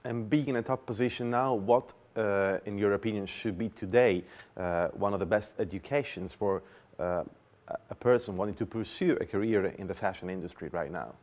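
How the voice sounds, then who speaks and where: A man's voice: on the low side, moderate pace, darkish tone. A man interviewing a business leader, asking plain, direct questions.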